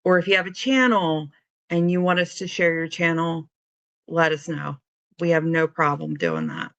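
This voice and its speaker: A woman co-hosting a casual livestream, making announcements in a halting way and repeating words as she goes. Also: deep voice, lively intonation, dry recording, muffled recording. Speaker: livestream co-host.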